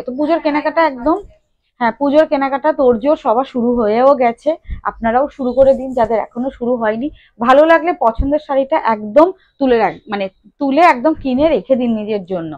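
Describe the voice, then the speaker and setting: A woman's voice: sits high, dry recording, highs cut off. A woman with a Bengali accent hosting a live sari sale, chatting with viewers by name and repeating colours and prices. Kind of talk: live-stream sales chat.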